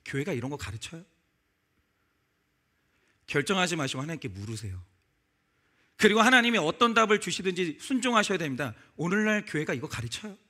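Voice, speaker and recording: A man's voice: on the high side, very animated, fairly quick, long pauses, sharp tone. A male pastor preaching a sermon, acting out quoted lines and pressing the congregation with rhetorical questions. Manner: acts out quoted voices in his telling.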